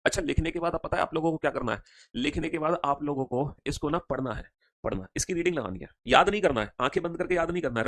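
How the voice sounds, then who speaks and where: A man teaching a class, repeating every line and drilling students in loud call-and-response recitation. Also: fairly high pitch, dry recording. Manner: drills students aloud, repeats each line, calls them son. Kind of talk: classroom lesson.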